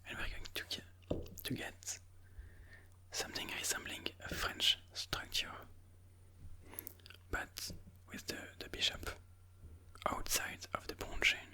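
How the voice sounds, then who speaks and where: An ASMR host giving chess commentary in a breathy, unvoiced whisper, explaining moves slowly and deliberately. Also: sharp tone, poor audio.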